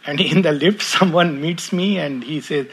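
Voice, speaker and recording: A man gives a relaxed spiritual talk, weaving in stories and small chuckles. His voice sits a little high for a man and carries a husky, breathy grain. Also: normal speed. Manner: chuckles often while storytelling. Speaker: spiritual speaker.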